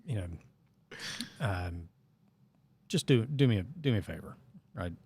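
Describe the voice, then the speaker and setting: A man's voice: fairly low pitch, animated, a little slow, darkish tone, breathy edge. A middle-aged man from Northeast Arkansas, hosting a casual podcast and telling rambling, sarcastic stories. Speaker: podcast host.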